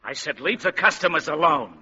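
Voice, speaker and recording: An actor playing a curt, threatening bartender. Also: male voice, on the high side, expressive, fairly quick, pushed and bright. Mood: surly. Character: surly male bartender. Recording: dull old radio recording.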